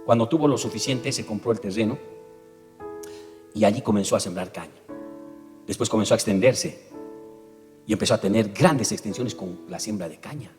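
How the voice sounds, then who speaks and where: A man's voice: on the low side, normal speed, long pauses, darkish tone. A man preaching a sermon as pastor, telling stories emphatically and often checking in with his listeners. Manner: emphatic storytelling preacher with frequent tag questions. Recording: echoey hall with faint music.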